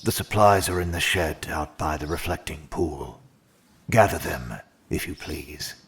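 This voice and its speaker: Deep, slow, somber caretaker. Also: male voice, a bit bright, slightly rough, exaggerated voice. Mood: composed. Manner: measured, polite, grave. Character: composed, somber male caretaker doing grim duty. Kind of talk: first-person narration in audio horror drama.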